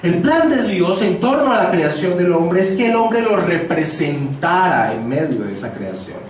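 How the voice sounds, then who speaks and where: A man's voice: sits high, very animated, normal speed, slight background noise. A man preaching an expository sermon as pastor, emphatic and repeating key phrases for stress. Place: church sanctuary. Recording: echoey church hall, mic from a distance.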